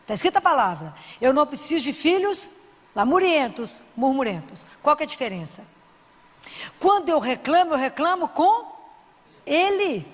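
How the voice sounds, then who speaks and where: A middle-aged woman with a Brazilian Portuguese accent gives an informal sermon, talking conversationally and quizzing her listeners with questions. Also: high voice. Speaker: faith speaker. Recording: long reverb, hall-like.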